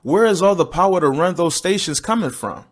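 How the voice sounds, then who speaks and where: A man plays a skeptical fellow with a somewhat high voice. He is inquisitive and challenging, talking conversationally in a scripted promotional dialogue. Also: expressive, brisk. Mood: skeptical, curious. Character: skeptical, inquisitive man quizzing his cousin about cars.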